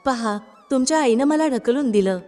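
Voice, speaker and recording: A woman's voice: high-pitched, normal speed, dark tone, close to an everyday voice. A woman narrator voicing a scheming, resentful young wife in a storybook, reading her lines in a plain voice. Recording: long reverb with background music.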